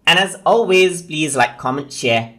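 A man presenting a software tutorial as a voice-over, explaining things step by step in an instructional way. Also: a little high, expressive, unhurried.

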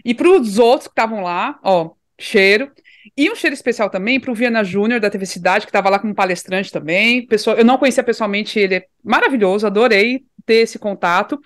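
A woman co-hosting a podcast, chatting casually and sending warm shout-outs. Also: mid-range voice, fairly quick. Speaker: podcast co-host.

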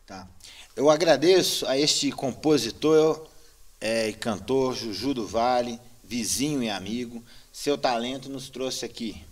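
A man in his thirties with a Minas Gerais accent, hosting a casual on-stage talk and briskly reading out thanks to a list of names into a handheld mic. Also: mid-range voice. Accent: Minas Gerais Brazilian Portuguese. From Brazil, Minas Gerais. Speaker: host, journalist and poet. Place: small indoor stage with curtains.

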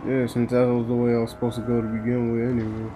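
A man's voice: medium pitch, monotone, quick pace. An American man giving casual, profane let's-play commentary in a blunt, slangy, reactive way. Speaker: gaming video host. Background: game music.

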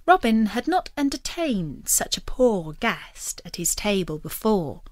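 A woman narrating a storybook tale in a measured, expressive scripted delivery. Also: mid-range voice, no room sound.

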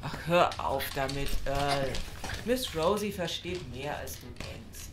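Low-voiced, bossy elderly wife played by an actress. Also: female voice, expressive, slow pace, full character voice. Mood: gently scolding. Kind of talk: audio drama acting. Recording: clear background ambience noise.

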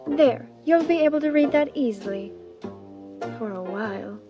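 A woman as a high-voiced society lady. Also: animated, normal speed, lo-fi sound, over music. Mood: gracious charm. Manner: polite, gracious, artful. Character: charming, poised society lady, slyly flirtatious. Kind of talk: 1930s radio drama acting.

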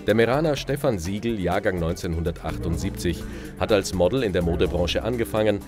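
A man reading a scripted documentary voice-over in an even, measured way. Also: deep voice. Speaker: narrator. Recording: voice-over with loud music behind.

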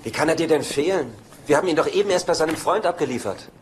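A man's voice: fairly high pitch, animated, fast talker, natural voice. An actor playing a cynical, teasing middle-aged womanizer in a dubbed sitcom, with a dry, sarcastic delivery. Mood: dry mockery. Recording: noisy TV soundtrack rip.

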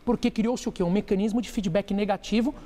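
A man, a doctor guest on a TV talk show, explaining calmly and answering his own rhetorical questions. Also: high-pitched, a little fast, a little hiss or hum. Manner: didactic, poses rhetorical questions then answers them. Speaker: obstetrician guest.

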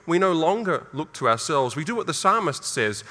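A middle-aged Australian man preaching a sermon, earnest and emphatic, jumping higher when he quotes scripture. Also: sing-song, brisk, bright, forceful tone. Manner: earnest, emphatic, with sudden rises for quoted lines. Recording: reverberant hall.

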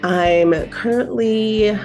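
A woman's voice: mid-range voice, very slow, darkish tone, faint music behind. A woman in her thirties, from Japan and the Philippines, with an American accent, chatting as a podcast guest over a video call from her living room, laughing often and filling with "like". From Okinawa, Japan, and the Philippines. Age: 30s. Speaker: podcast guest, bikini bodybuilder and personal trainer. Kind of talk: casual interview chat. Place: home living room, indoors. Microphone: earphone mic on a video call.

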